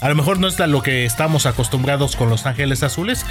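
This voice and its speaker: Mexican radio guy chatting between songs, voice bouncing all over, soft music under him. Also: mid-range voice, fast talker. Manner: lively, friendly banter between songs. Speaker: radio host. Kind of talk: casual radio banter.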